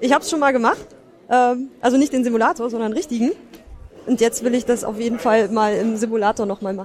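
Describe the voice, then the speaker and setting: Crowd noise fills the background as a woman speaks very fast at a fairly high pitch with ordinary pitch variation. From northern East Germany. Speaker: podcast host. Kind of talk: casual chat. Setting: walking around a museum.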